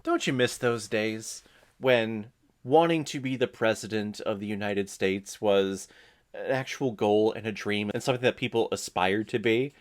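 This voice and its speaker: A man's voice: lowish voice, moderate pace. A man hosting a casual movie watch-along, joking sarcastically and talking back to the screen. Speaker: reaction video host.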